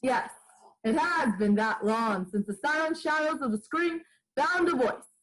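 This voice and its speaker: A woman's voice: high voice, unhurried, a bit bright, poor audio. A woman playing a polished 1940s radio announcer, formal and theatrical. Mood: grand, formal.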